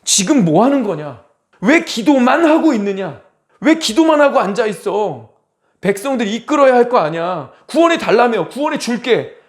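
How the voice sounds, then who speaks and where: A man's voice: sits high, normal speed. A man voicing God as a stern, impatient deity who scolds a leader with blunt rhetorical questions. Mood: scolding.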